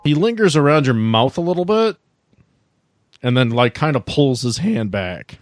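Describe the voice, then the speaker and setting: A man's voice: medium pitch, big pitch swings, normal speed. A man narrating a tabletop roleplaying game as the game master.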